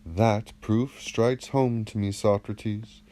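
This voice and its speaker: A man's voice: on the low side, steady tone, takes it slowly, dark tone. A man reading the part of an agreeable, earnest epic-poetry performer in a classical dialogue audiobook, formal and deferential. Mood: confessing.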